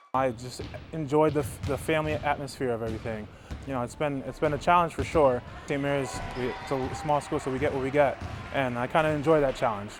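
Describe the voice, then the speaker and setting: Talking at a very fast pace, a man with a medium pitch and ordinary pitch variation is heard over noticeable background noise. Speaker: high school basketball coach. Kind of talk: interview. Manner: loud.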